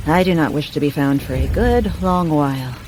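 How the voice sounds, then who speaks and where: An actress playing a world-weary, evasive underworld dweller in an audio drama, with a dry, sardonic and understated manner. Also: female voice, low-pitched, expressive, normal speed, noisy background. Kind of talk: scripted audio drama acting.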